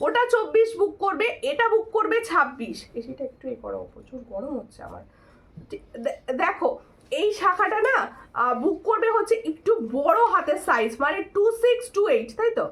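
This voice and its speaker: A woman with a hoarse voice hosting a live jewelry sale, chatty and repetitive, thanking viewers and urging them to take screenshots. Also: extremely high pitch, sing-song, normal speed, a bit bright. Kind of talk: live-stream sales pitch.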